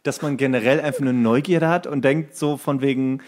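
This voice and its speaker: A man co-hosting a podcast, chatting casually and rephrasing haltingly as he explains things. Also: mid-range voice, steady tone, darkish tone. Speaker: podcast co-host. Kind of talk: casual conversational chat.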